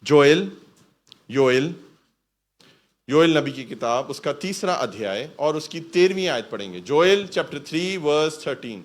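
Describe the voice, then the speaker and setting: A pastor delivers a fervent sermon in a slightly high, animated male voice. He often calls out hallelujah, mixes in English words, and asks the church to repeat after him.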